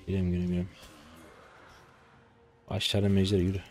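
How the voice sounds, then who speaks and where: A man in his twenties commenting live on his own gameplay, exasperated, swinging between low mutters and loud outbursts at his teammates. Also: completely flat delivery, quick pace, faint music behind. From Turkey. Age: 20s. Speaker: game streamer.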